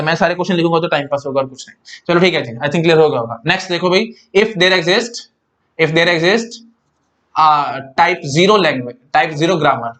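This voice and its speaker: A man teaching a computer science lesson in casual Hindi mixed with English, often asking "है ना?" and slowing down to dictate notes. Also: on the high side, a bit bright. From India. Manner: chatty, repeats "है ना?" and "भाई", dictates slowly.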